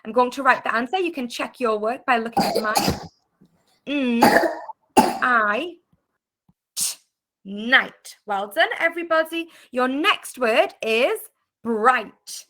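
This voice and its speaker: Bright-voiced British woman teaching phonics. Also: fairly high pitch, expressive, slow pace, pauses often, a little hiss or hum. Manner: encouraging, clear sounding-out of letters. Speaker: primary school teacher. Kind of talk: online phonics lesson. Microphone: video call.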